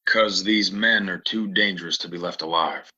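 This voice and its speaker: A man playing a deep, forceful troubled Western stranger. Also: normal speed, breathy edge, dull audio, heavily acted. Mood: troubled, grim. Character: troubled, soft-spoken male stranger, war veteran in Western town. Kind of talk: Western audio drama acting.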